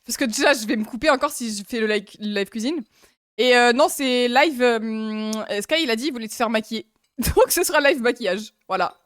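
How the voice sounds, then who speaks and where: A woman's voice: fairly high pitch, moderate pace, dry recording, clean studio sound. A young woman from France streaming live, chatting casually and giggling as she reacts to her viewers.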